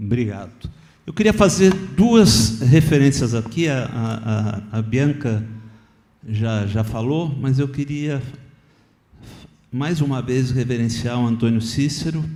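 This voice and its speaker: This man speaks at a very slow pace with long, frequent pauses. His pitch is medium with ordinary variation, and the room echo is audible. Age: 70s. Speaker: writer. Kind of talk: literary festival panel talk.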